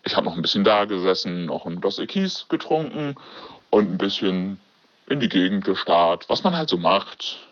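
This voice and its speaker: A man's voice: low voice, very animated, moderate pace, fairly bright tone, no echo, lo-fi sound. A man telling a story in a dry, matter-of-fact way, with lots of fillers. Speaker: caller sharing a date story. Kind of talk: recorded anecdote, casual telling.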